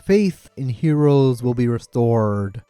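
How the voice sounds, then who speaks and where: Male essay narrator, relaxed mid-range voice, casual and sardonic, faint music bed. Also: mid-range voice, slow, smooth, no echo. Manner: opinionated, sarcastic, casual swearing. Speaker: video essayist, host. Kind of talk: scripted video essay narration. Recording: music playing under the voice. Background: background music.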